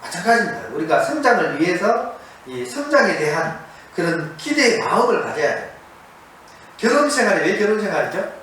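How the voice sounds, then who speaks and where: A man's voice: high-pitched, very animated, a little fast, fairly bright tone. A man preaching a sermon from a monastery to an audience, asking them questions and repeating key words for emphasis. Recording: very echoey, distant mic, faint noise.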